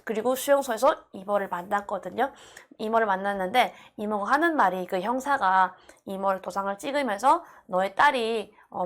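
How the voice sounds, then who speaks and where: A woman from North Korea telling her defection story in an earnest, emotional monologue with many fillers. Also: mid-range voice.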